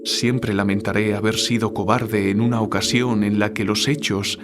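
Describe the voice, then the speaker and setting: Guy acting as troubled writer, lowish solemn voice, audio drama, music behind him, sounds guilt-ridden. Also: fairly even intonation, close to an everyday voice. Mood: regretful. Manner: solemn, deliberate, literary. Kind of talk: audio drama, literary storytelling.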